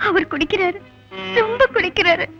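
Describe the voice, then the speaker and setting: An actress playing a distressed young wife in a film, tearful and complaining. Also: female voice, extremely high pitch, normal speed, fairly bright tone. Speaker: film character. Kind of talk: film dialogue. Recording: dull film audio with music.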